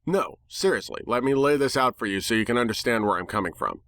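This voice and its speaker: Male narrator, dramatic story reading, sardonic, irreverent, medium pitch, dry sound. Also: lively intonation, quick pace, a bit bright, no room sound. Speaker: narrator reading fan fiction.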